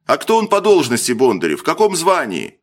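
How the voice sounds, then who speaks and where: A man voicing a hot-tempered young army captain who scolds and shouts sarcastically. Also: fairly high pitch, huge pitch swings, a little fast, voice pushed up. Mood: angry.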